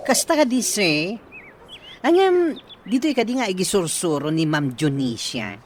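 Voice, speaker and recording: An actor playing a flamboyant gay man who loudly demands repayment of a debt, speaking in a radio drama. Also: mid-range voice, very animated, measured pace, a little hiss or hum. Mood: insistent. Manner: loud, indignant, shouting threats.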